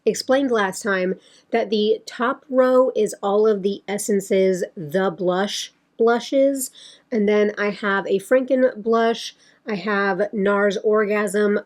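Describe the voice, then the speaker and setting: A young woman talks through her makeup in a loose, rambling way, full of fillers and asides. Her voice is a little worn, as if it is starting to go. Her pitch sits in a middle range. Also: a little mellow. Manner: chatty, rambling, with many fillers. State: slightly losing her voice. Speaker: beauty vlogger. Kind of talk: casual chat.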